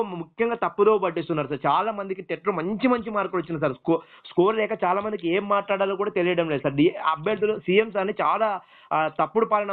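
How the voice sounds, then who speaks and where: Fast, high-pitched young man on a phone line. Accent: Telangana Telugu. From Telangana, India. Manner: deferential, insistent, rambling. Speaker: exam aspirant calling a politician. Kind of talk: pleading phone conversation. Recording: muffled, narrow-band phone line.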